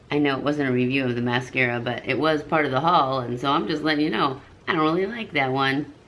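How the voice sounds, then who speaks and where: Bright-voiced chatty woman in her fifties. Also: on the low side. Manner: chatty, rambling, self-correcting. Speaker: beauty vlogger. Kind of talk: casual makeup review to camera.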